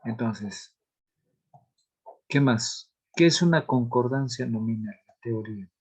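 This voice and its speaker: A man teaching a grammar lesson, explaining rules slowly and deliberately, reading out examples and checking in with the class. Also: mid-range voice, a little mellow, breathy edge. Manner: asks checking questions of the class.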